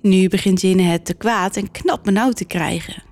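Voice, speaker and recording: A woman hosts a podcast and tells a folk story in a clear, steady way. Her pitch is in the middle for a woman, and soft music plays faintly behind her. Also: moderate pace, no echo. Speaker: podcast host. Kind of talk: storytelling narration.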